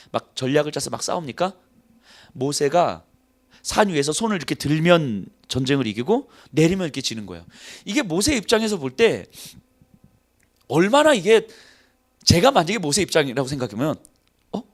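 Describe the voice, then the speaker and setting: Male pastor preaching, playful and animated, voice swings high and low, kinda high-pitched. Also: a little fast, pauses often. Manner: animated, playful, acts out quotes and laughs. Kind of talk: sermon. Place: church hall.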